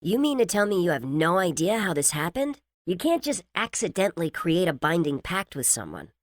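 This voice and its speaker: A man's voice: high-pitched, big pitch swings, normal speed, no room sound, clean studio sound, voice pushed up. A man voicing a stern, bossy young woman who scolds and lectures in an exasperated way. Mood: scolding.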